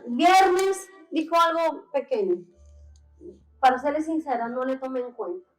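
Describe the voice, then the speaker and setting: In an echoey church hall with faint music behind her, a young church member from Peru tearfully and earnestly testifies, calling the congregation brothers. Her high voice is expressive and a little slow.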